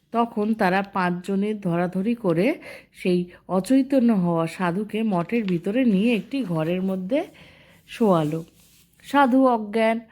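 A woman, slowly reading and retelling devotional teachings and a parable in a measured way. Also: mid-range voice, mellow. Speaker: spiritual storyteller.

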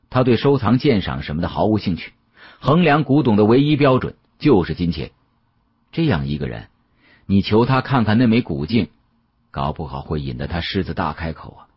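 A man narrating an audiobook as a dramatic storyteller, with an expressive, conversational delivery. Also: sits low, brisk, husky, highs cut off.

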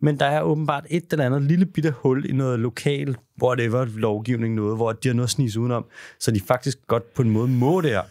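A man's voice: mid-range voice, fairly even intonation, few pauses, darkish tone, no echo. A man co-hosting a podcast in casual chat, rambling with fillers and restarts on a studio microphone. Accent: Danish. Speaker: podcast co-host.

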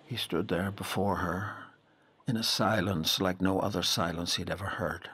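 An actor with a Northern Irish accent playing a grave narrator in a literary audio drama, telling the story in a measured way. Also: male voice, deep voice, fairly even intonation, pushed and bright, breathy edge, heavily acted. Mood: hushed wonder. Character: grave male narrator recalling a boy's haunting encounter.

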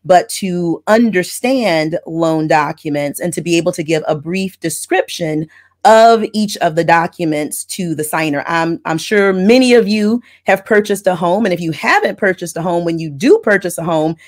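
A middle-aged woman with a somewhat low voice explains her work in a chatty, wordy way. She talks over a video call through an earbud mic from her home office. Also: animated, moderate pace. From from Florida, raised in Texas. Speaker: mobile notary loan signing agent and channel host. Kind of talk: casual interview storytelling. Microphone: earbud headset on a video call.

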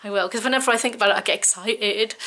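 A woman's voice: mid-range voice, quick pace, bright, forceful tone. A woman in her thirties from the UK, chatting through a home vlog on a handheld camera while she sorts boxes, enthusiastic and thinking aloud. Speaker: vlogger. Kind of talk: casual vlog chat. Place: living room at home, indoors. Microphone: handheld camera mic, filming herself close up.

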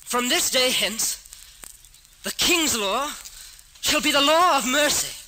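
Boy pauper on a throne: compassionate, solemn, halting radio drama delivery, very bright, hissy old recording. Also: extremely high pitch, animated, exaggerated voice, poor audio. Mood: solemn, proclaiming. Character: earnest compassionate pauper boy posing as king.

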